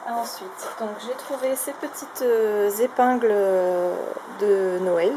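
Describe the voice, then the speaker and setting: A woman's voice: mid-range voice, slow. Woman, craft vlogger, chatty, hesitant, filler-heavy, noisy home recording. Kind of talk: casual show-and-tell of a shopping haul.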